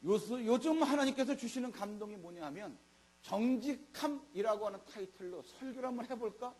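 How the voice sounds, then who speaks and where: A man's voice: very high-pitched, brisk, darkish tone. A middle-aged male pastor giving a Sunday sermon in a colloquial, emphatic way, full of rhetorical questions. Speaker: senior pastor. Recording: mains hum.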